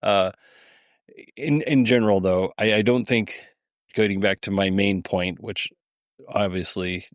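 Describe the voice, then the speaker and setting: Guy podcast host, low voice, dry close sound, chatty and kinda rambly. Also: steady tone, a little slow, pauses often, no echo. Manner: rambling, informal, chuckles while talking. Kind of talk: casual solo commentary on audio clips.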